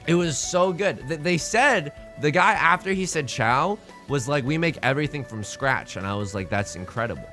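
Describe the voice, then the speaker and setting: A man streaming live, chatting casually with viewers in an animated, jokey way, often restarting and repeating his words. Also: fairly high pitch, moderate pace, hardly any pauses, faint music behind.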